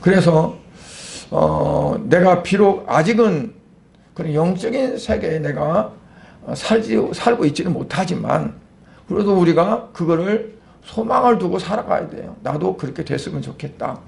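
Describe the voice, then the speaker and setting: Man, pastor, Sunday sermon, gravelly, slightly high voice, conversational, rhetorical questions, filler pauses. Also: lively intonation, a little mellow.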